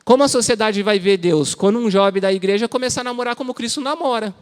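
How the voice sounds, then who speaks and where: High-voiced São preacher, reverberant hall. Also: male voice, quick pace, clear, resonant tone. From Brazil. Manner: conversational storytelling with slang. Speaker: lay preacher. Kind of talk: informal sermon. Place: church hall. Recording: long church-hall reverb.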